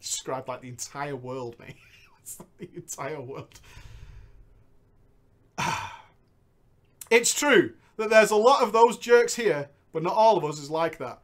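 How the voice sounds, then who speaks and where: A man with a fairly high, expressive voice hosts a comedy show, reading viewer stories aloud and bantering with his co-host. He laughs often and shifts between loud bursts and quiet asides, keeping a measured pace with long pauses.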